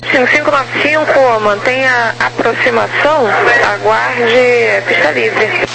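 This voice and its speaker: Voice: mid-range voice, measured pace, gravelly, music in the background, poor audio. A speaker giving clipped air traffic phraseology over a walkie-talkie style aviation radio.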